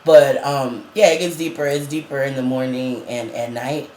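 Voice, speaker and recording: A man's voice: mid-range voice, steady tone, moderate pace, a little mellow, reverberant, a little hiss or hum, rough recording. A trans man vlogging in casual chat. He uses a lot of fillers and laughs often, and his voice is going up and down and sometimes cracks.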